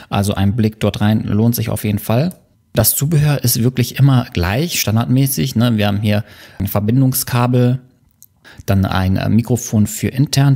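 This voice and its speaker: Guy doing a chill gadget review, kinda gravelly voice, lots of ums. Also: medium pitch. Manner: relaxed, explanatory, with many fillers. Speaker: channel host reviewing motorcycle intercoms. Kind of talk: casual product review.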